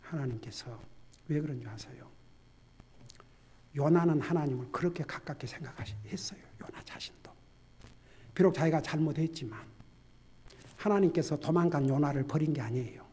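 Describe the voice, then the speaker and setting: Husky-voiced male pastor preaching in church, going from whisper-quiet to loud, keeps asking the congregation stuff. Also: a little high, normal speed, pauses often. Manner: swings from hushed near-whisper to loud exhortation; asks the congregation questions directly. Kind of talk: sermon.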